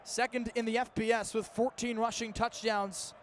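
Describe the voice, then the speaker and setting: High-pitched young American man calling football. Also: normal speed, slight background noise. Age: early 20s. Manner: vivid, energetic narration of live action. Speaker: play-by-play announcer. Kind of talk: live American football radio commentary.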